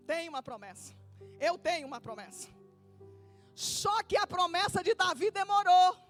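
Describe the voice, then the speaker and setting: Woman pastor, very high voice, lively sermon, acts out dialogue, faint music behind. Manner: lively preaching with acted-out Bible dialogue and calls for the congregation to repeat.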